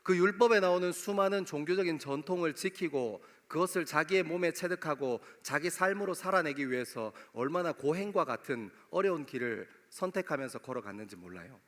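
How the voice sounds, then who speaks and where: A man's voice: on the high side, expressive, brisk, hardly any pauses, a bit bright. A young male pastor with a regional Korean dialect, preaching a sermon in a conversational way to a youth congregation. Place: church sanctuary. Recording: long hall reverb.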